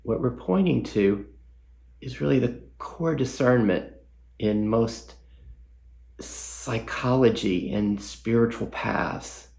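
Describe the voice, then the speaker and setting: A man leading a guided meditation as a guest teacher, speaking gently with long pauses and reflective questions. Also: medium pitch, vocal fry.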